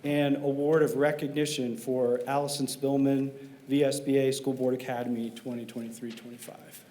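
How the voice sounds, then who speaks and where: A man's voice: medium pitch, flat delivery, normal speed, noisy background. A man, the superintendent, reading out board awards at a meeting, with frequent fillers between names. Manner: reads names with many um and uh fillers. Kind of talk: formal award presentation.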